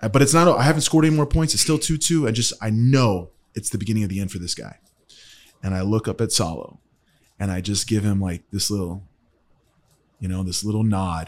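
A fairly low-voiced man with an American accent, very fast in pace yet with long, frequent pauses, lively intonation, and a very clean recording with a silent background. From Oklahoma (born Cincinnati, Ohio). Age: 40s. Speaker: martial arts champion and instructor. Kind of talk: casual interview. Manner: hesitant with many fillers.

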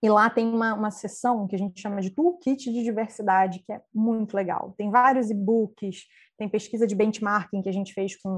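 Against a quiet background, a woman speaks at a moderate pace with a fairly high pitch and fairly even intonation. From Brazil, Recife, raised in Rio de Janeiro. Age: 30s. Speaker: diversity and inclusion education company CEO. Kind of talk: interview. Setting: livestream.

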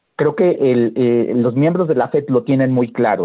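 A man's normal speaking voice at a medium pitch and a moderate pace. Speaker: radio host. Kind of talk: interview.

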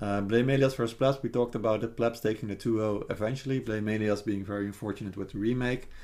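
A man talks at a very fast pace with hardly any pauses. His pitch sits in the medium range. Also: fairly even intonation. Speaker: tournament organizer and podcast host. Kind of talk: casual podcast conversation.

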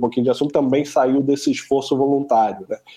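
Over noticeable background noise, a man speaks at a very fast pace in a fairly high pitch. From Brazil, Rio de Janeiro. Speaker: podcast co-host. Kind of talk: casual chat.

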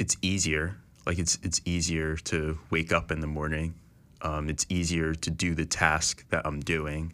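A bright, sharp voice with an American accent, fairly slow and monotone, on a very clean recording with a silent background. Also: man. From US Northeast, Philadelphia area. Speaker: YouTube creator and student. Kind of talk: casual interview.

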